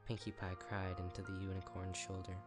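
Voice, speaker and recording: A man's voice: low-pitched, monotone, a little fast. A man reading a scripted story aloud as its narrator. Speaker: fan fiction reader. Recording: faint music behind narration.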